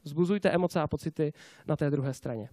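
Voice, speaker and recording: High-voiced man giving a sales talk. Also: no room sound, studio quality. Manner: lively, keeps asking the audience rhetorical questions with tag questions. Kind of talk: motivational conference talk. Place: conference stage before a live audience.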